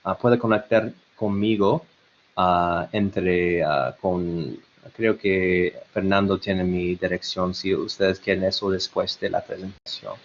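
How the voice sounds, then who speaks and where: A man's voice: low voice, steady tone, takes it slowly, a little hiss or hum. A man with an American-tinged Spanish accent giving an online webinar presentation, hesitant with many fillers and restarts. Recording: dull lo-fi web call audio.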